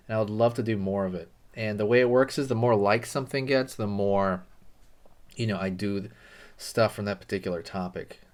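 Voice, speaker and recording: Man, lowish voice, drawing tutorial host, casual, rambling, lots of fillers. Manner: rambling, filler-heavy, friendly asides.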